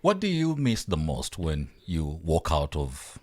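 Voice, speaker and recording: A man's voice: rumbling low, huge pitch swings, unhurried, no room sound. A man hosting a casual radio interview, speaking into a close studio mic. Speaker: radio host. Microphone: close studio boom mic.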